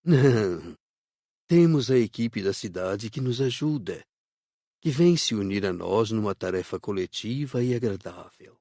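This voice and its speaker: This is a man acting a kindly spirit worker in an audiobook. The voice sits fairly low and is measured and instructive. The sound is dry, with no room around it. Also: animated, dark tone, dry recording. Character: adult male spirit worker guiding visitors, kindly and instructive. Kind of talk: scripted audiobook dialogue.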